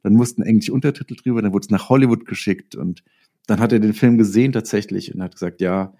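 Speaking fast in a low, warm voice, this middle-aged interview guest, who writes and makes films, chats casually about his career and slips into acting out lines of dialogue.

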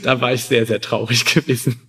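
A man in his thirties talks as a guest on a podcast. His voice sits at an average pitch, and he tells personal stories in a casual, conversational way. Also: fairly even intonation, fairly quick, a bit bright. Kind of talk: casual chat, telling childhood anecdotes.

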